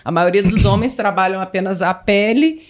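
A woman co-hosting a casual live podcast, talking quickly and reading listener comments aloud. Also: mid-range voice. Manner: talks fast, reads comments aloud, agreeable "sim". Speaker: podcast co-host.

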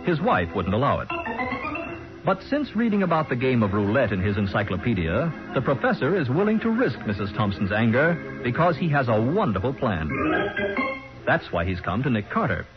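A man's voice: mid-range voice, very animated, normal speed. A man announcing a 1940s radio show in a dramatic, emphatic style. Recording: muffled old radio, loud organ music.

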